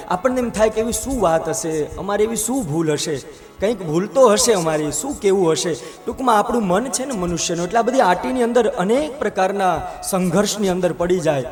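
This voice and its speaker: A man's voice: high voice, darkish tone. A man with a Gujarati accent telling a devotional story as a sermon at a temple, his delivery impassioned and building to emphatic appeals. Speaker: katha storyteller. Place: temple katha gathering.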